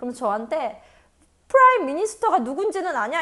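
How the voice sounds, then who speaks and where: A woman is speaking. Her pitch swings very widely. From South Korea. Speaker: vlogger. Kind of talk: personal storytelling vlog. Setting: filming by a window at home. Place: home room. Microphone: earbuds.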